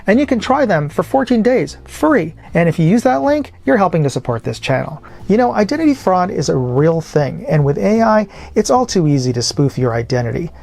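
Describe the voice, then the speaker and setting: A man's voice: high-pitched, big pitch swings, a little fast, creaky, few pauses, darkish tone. A man hosting a casual product review, explaining things informally with colloquial phrases as he demonstrates gear. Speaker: product reviewer and channel host.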